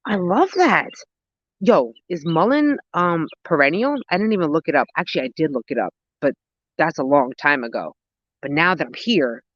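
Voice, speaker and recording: A low-pitched woman around forty chats casually on a livestream about gardening and mental health, which she hosts outdoors in a garden. She's expressive and slangy, thinking aloud and easily distracted while replying to comments. The recording is dry and muffled.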